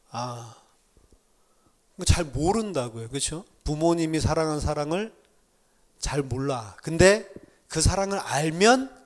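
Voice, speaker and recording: A middle-aged man preaching a sermon in church, telling stories in a lively way and often laughing at himself. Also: on the high side. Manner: animated storytelling with laughs. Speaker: pastor.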